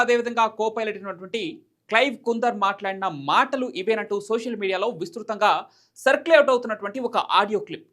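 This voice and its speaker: A man's voice: very high voice, pushed and bright. A man presenting news commentary, explaining in an emphatic, repetitive way.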